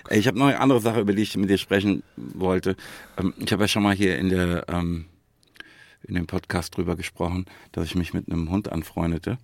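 A man with a German accent chatting casually as a podcast co-host, thinking aloud haltingly and often adding little tag questions. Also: deep voice, fairly even intonation, creaky, dry recording.

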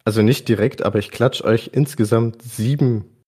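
A man's voice: medium pitch, moderate pace, darkish tone, husky. A man chatting casually and informally about video games as a podcast guest, using youthful slang. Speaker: podcast guest presenting his favourite games.

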